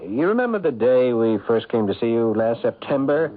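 An American actor playing an irritable, evasive husband in a 1970s radio mystery drama, speaking in a clipped, testy way. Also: male voice, medium pitch, big pitch swings, moderate pace, natural voice. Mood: curt, suspicious. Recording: muffled phone-like radio recording with hiss.

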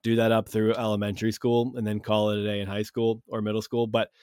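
A man's voice: on the low side, level tone, quick pace, a little mellow, clean tone, no room sound, studio quality. A young man hosting a podcast, talking in rambling casual chat with many fillers. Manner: rambling, heavy on fillers and restarts. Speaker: podcast host.

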